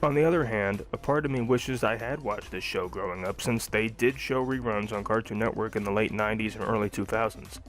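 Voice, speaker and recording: A man's voice: fairly low pitch, brisk, hardly any pauses, a bit bright, soft background music. A young adult man narrating a scripted cartoon review.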